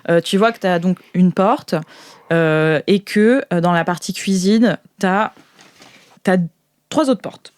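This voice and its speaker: A woman's voice: on the low side, takes it slowly, darkish tone. A woman narrating an improvised tabletop game as game master, in an informal, descriptive and hesitant way.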